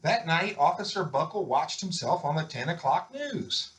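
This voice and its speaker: A man's voice: a little high, animated, moderate pace, fairly bright tone, slight background noise. Man reading a children's picture book aloud. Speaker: volunteer story reader.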